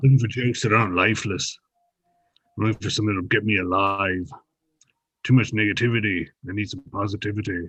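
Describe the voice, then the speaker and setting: Using a put-on character voice at a fairly low pitch, a man talks at a very fast pace yet with long, frequent pauses, over a quiet background. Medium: game stream. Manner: gruff, salty sailor talk.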